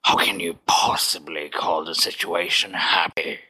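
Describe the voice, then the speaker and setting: A performer playing a grim, aggrieved keeper of a reading room in an audio fantasy comedy, with a raspy voice. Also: sits low, fairly even intonation, sharp tone, in a whisper, heavily acted. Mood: outraged. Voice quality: raspy, husky. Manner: slow, indignant. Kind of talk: audio fiction comedy acting.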